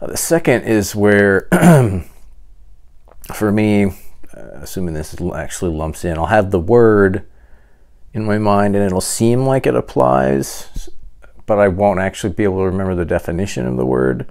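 A man with a very deep, low voice speaks at a moderate pace, his intonation lively. Long pauses come often, against a quiet background. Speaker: brain injury survivor with aphasia. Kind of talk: casual talk to camera. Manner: halting, hesitant, many fillers and restarts. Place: kitchen. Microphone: lapel.

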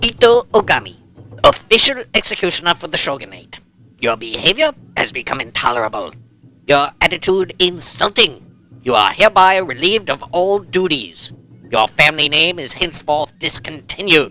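Using a cartoonish character voice, a man speaks high with very wide pitch swings. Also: moderate pace. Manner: pompous, then outraged and shouting.

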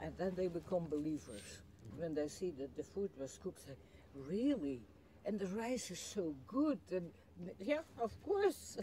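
A woman with fairly low pitch and a dark, mellow, somewhat breathy tone speaks at a fairly slow pace with very wide pitch swings. The sound is dry with no echo, over light background noise. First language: not English. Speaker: solar cooking educator. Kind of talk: casual interview. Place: garden. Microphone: phone near.

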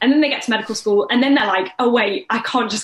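A woman's fairly high voice with ordinary pitch variation at a very fast pace, with audible room echo over a quiet background. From United Kingdom. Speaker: medical student. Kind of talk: podcast interview answer. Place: home room. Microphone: earbuds.

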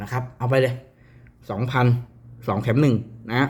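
A man's medium-pitched voice comes through somewhat breathy. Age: 40s. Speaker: amulet dealer. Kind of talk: sales pitch.

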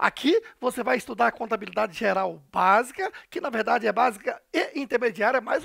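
Against a quiet background, a man speaks in an enthusiastic tone at a fairly quick pace with hardly any pauses. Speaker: course instructor and salesman. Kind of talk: infomercial, hard-sell pitch for an online course bundle. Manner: fast, rapid-fire and urgent; enthusiastic, promotional, pushes viewer to act. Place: studio. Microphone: headset.

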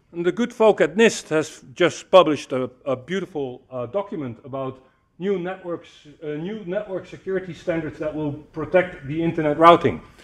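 A high-pitched man with a Dutch accent, hardly any pauses, ordinary pitch variation and big swings in loudness. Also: moderate pace. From Netherlands. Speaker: internet technology executive; keynote speaker. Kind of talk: keynote talk. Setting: conference stage with audience. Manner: halting, many fillers.

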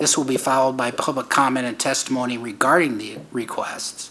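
Here a man speaks at a moderate pace. His intonation is monotone and flat. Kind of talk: formal meeting procedure reading. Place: hall.

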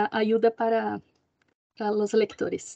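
The woman's voice is fairly high, with fairly even intonation. She keeps a moderate pace against a quiet background. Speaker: librarian, journal curator; webinar presenter. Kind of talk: online training webinar. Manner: halting, many fillers. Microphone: video call.

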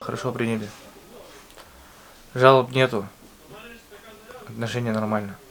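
A man speaks at a medium pitch and moderate pace in a monotone, flat intonation, with long, frequent pauses and noticeable background noise. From Khabarovsk, Russia. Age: young. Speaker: prisoner of war, soldier. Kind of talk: interview answer.

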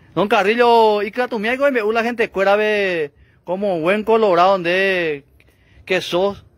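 A man speaks at a very slow pace in a high pitch with ordinary pitch variation. The sound is dry with no echo over a quiet background. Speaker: political interviewer. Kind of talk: field interview. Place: garden.

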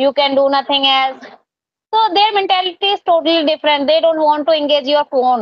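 A woman with an Indian accent speaks at a fairly quick pace in a high pitch with ordinary pitch variation, her loudness very even, the sound dry with no echo over a quiet background. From Delhi, India. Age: 20s. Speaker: housewife and English learner. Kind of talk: casual English practice conversation. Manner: halting. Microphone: video call.

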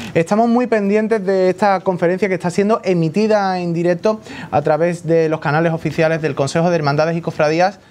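A man talks fairly quickly with hardly any pauses in a high pitch. His intonation is fairly even and his loudness very even. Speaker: panelist, brotherhood affairs. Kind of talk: casual panel talk. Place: studio. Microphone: lapel.

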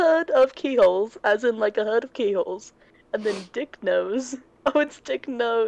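In a natural voice, the text is read aloud.

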